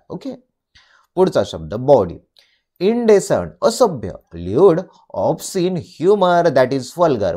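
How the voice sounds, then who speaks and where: A man with a Marathi accent teaching English vocabulary, reading each definition slowly and then explaining it, with frequent questions to the listener. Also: medium pitch, warm tone. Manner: asks the listener rhetorical questions. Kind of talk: bilingual vocabulary lesson.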